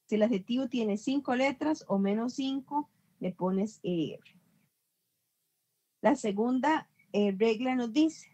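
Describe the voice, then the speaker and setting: A woman teacher leads an online English lesson at a medium pitch. She spells out each rule step by step, repeats key points and keeps checking that her students follow. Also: mellow. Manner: patient, repeats and checks understanding. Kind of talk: online class explaining grammar.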